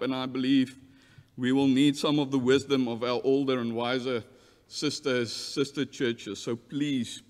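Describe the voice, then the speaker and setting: A man in his thirties from South Africa with an Afrikaans accent, a church delegate earnestly addressing an assembly from a lectern, often restarting words. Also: mid-range voice. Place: large church hall. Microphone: lectern mic. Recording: long hall reverb.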